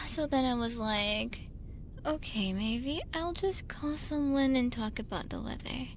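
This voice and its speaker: A woman's voice: high voice, takes it slowly, a little hiss or hum. A woman playing a drunk, lonely young woman in an ASMR roleplay, rambling and giggling her way through a late-night voicemail with tipsy hesitations. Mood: wistful, rambling.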